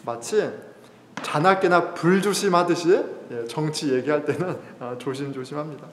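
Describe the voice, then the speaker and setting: A man's voice: a little high, moderate pace, slight background noise. A male pastor giving a sermon in a church, telling stories in a conversational way with fillers and chuckles. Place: church sanctuary. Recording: echoey hall reverb.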